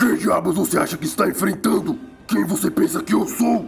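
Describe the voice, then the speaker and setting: Over clear music in the background, a man puts on a gruff character voice. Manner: gruff, defiant, profane.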